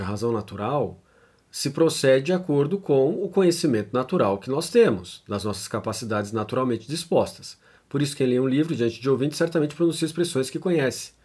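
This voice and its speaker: With a mid-range, darkish voice, a Brazilian man who lectures on theology reads out a passage and comments on it in an informal way. His accent is Brazilian Portuguese. He talks conversationally, often ending his sentences with tag questions and using plenty of fillers.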